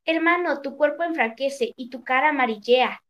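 A woman's voice: high-pitched, moderate pace, fairly bright tone. A woman reading the lines of a commanding king who presses his brother with earnest questions, in a storybook tale. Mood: concerned. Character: concerned commanding male king, elder brother.

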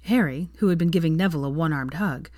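A woman narrating a fan story aloud in a calm, even reading voice. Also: low voice, fast, no room sound, studio quality. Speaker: fanfiction reader.

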